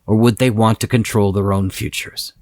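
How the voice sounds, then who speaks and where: A man from Canada talking thoughtfully about his writing, raising questions in a scripted reflection. His voice sits slightly low, and the recording is dry and close. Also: fairly even intonation, moderate pace, darkish tone, no echo. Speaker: writer and producer.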